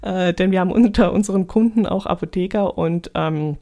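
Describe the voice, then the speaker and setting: A woman's voice: fairly low pitch, a little fast, mellow, lo-fi sound. Chatty woman hosting a podcast. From Allgäu, Germany. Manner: chatty, digressive, laughs often. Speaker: podcast host. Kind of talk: casual solo podcast monologue.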